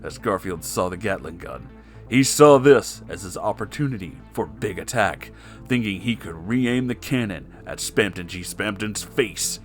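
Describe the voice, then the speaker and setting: A man's voice: fairly low pitch, animated, a little slow, faint music behind. A man narrating a comic fan story in a theatrical, mock-serious dramatic reading. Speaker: story reader.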